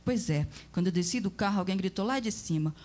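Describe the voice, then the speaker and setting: A woman's voice: medium pitch, fast, close to an everyday voice. A woman voicing a chatty, cheeky grown daughter gossiping about her day. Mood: gossipy cheerful. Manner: lively, gossipy.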